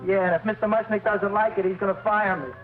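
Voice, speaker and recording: An actor playing a shy young flower shop clerk who talks meekly and hesitantly. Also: male voice, sits high, level tone, quick pace, close to an everyday voice. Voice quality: meek, hesitant. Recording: thin, phone-like old film soundtrack with music.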